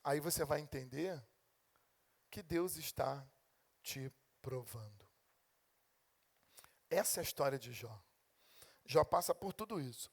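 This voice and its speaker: A man's voice: fairly high pitch, measured pace, creaky, long pauses, husky. A man preaching a sermon as a pastor with a Brazilian Portuguese accent, acting out God and his congregation in turn. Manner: animated preaching, acting out God and complaining believers.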